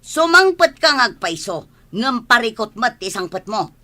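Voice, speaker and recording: A woman's voice: on the high side, sing-song, unhurried, sharp tone, heavily acted. A woman voicing a bitter mother in an audio drama, scolding and complaining.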